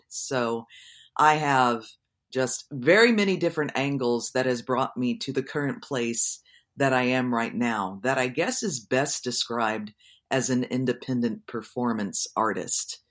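A woman performer guest with a morning voice, chatting in an animated, playful way. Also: a bass voice. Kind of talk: casual interview chat.

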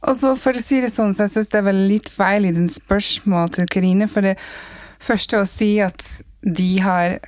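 A woman's voice: mid-range voice, fairly even intonation, darkish tone, dry recording. A woman talking as a podcast guest, blunt and emphatic, switching between Norwegian and English mid-sentence. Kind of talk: casual podcast conversation.

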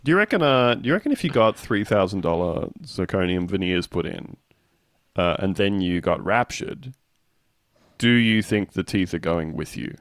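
Man, low-pitched, podcast co-host, rambling storyteller, dry close sound. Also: expressive, normal speed, no echo. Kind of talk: casual chat.

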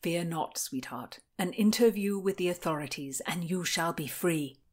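A woman voicing a gallant nobleman lover who speaks in a soft, reassuring way. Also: fairly high pitch, normal speed, natural voice. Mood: tender.

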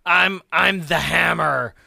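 Young man, bright tense voice, dry close sound, rambling casual chat, laughs a lot. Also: fairly high pitch, takes it slowly, gravelly, no room sound. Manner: rambling, laughs often, many fillers. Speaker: podcast co-host.

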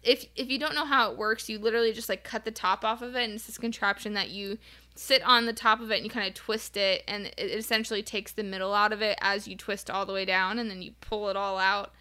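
A woman's voice: medium pitch, fairly even intonation, fast, pushed and bright. A woman co-hosting a casual chat, talking in a rambling way full of fillers. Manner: chatty, rambling with many likes. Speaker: podcast co-host.

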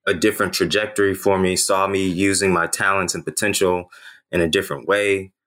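As a guest in an interview, a thirtysomething native Haitian Creole speaker reflects on his personal history. He talks earnestly with a very deep, low voice that's level and a bit bright, frequently stopping on "you know" while he collects himself.

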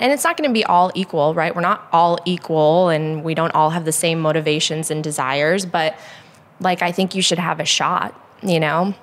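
Chatty immigrant woman with lowish voice. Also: a bit bright. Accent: American, Chicago-influenced. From Poland. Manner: talkative, frequent likes and ums. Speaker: guest. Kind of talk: candid conversational interview.

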